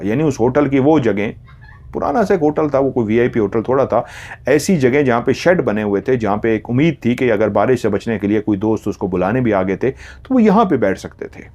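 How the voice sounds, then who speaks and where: A man narrating a horror story in a slow, hushed, dramatic way. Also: mid-range voice, muffled recording.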